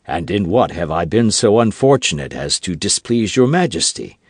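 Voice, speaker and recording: A man voicing a calm, shrewd captain of musketeers who speaks quietly and with measured composure in an audiobook. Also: low voice, slightly rough, dry recording, studio quality, exaggerated voice. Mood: composed.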